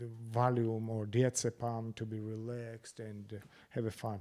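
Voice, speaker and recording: Recorded very cleanly against a silent background, a man speaks in a dark, mellow tone at a medium pitch. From Georgia, Tbilisi. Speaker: novelist. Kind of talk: onstage literary interview. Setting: stage with audience. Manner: halting.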